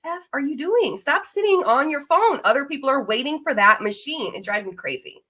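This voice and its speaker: A woman's voice: high voice, animated, a little fast, pushed and bright. A woman, around her thirties, hosting a casual conversational interview in a chatty, informal way. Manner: chatty and informal, with mild swearing. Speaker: podcast host interviewing a guest.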